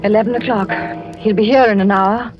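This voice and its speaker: An actress with an English accent playing a frightened young wife who pleads for protection in a 1940s radio drama. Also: female voice, medium pitch, steady tone, fairly quick, over loud music, lightly acted. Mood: fearful. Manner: anxious, pleading, breathless. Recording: dull old radio recording.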